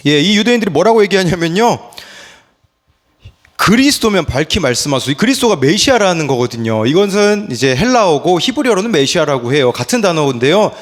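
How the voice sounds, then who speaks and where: A pastor in his thirties preaches a morning devotional with a high, bright-sounding voice. His pitch swings widely as he asks questions and acts out the lines he quotes. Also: big pitch swings, brisk. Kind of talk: early-morning devotional sermon.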